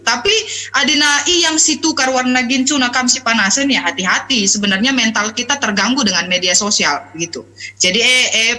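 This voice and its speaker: A woman pastor preaching in an easy, conversational way, drifting into personal anecdotes and pausing often on her words. Her voice sits a little high and rings bright and forceful. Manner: chatty, anecdotal, with frequent hesitations. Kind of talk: conversational sermon.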